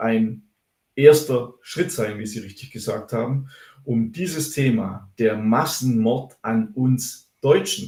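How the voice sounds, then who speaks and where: Very slowly, a man speaks with a dark, mellow, somewhat breathy tone and ordinary pitch variation. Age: 60s. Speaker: author. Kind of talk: interview.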